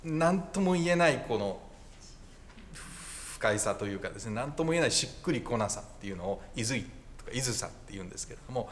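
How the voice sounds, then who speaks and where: A man's voice: medium pitch, sing-song, quick pace, slight background noise. A male pastor preaching a conversational sermon with wry asides and self-corrections.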